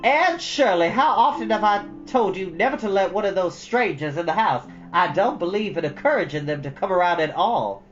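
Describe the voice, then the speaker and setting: A woman's voice: fairly low pitch, animated, normal speed, few pauses, dull audio, soft background music, voice pushed up, close to an everyday voice. A woman voicing a stern older female guardian in a storybook reading, severe, blunt and sarcastic. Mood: scolding.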